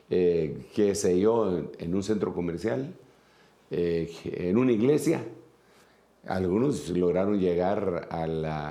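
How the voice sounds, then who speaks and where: A man's voice: low voice, mellow. A man from Guatemala with a Guatemalan Spanish accent, preaching an earnest sermon as an apostle, repeating phrases for emphasis.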